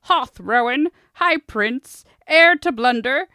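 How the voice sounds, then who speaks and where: A woman voicing a male royal court orator who announces titles slowly and formally. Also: sits high, animated, dry recording, clean studio sound, voice pushed up, exaggerated voice. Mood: announcing. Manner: slow, formal, loud announcing.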